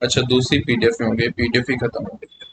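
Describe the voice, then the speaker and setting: A man's voice: medium pitch, level tone, fast, noisy background. A man teaching a live online maths class, coaxing his students along and often checking if they follow. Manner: chatty, coaxing, keeps asking students "yes or no?".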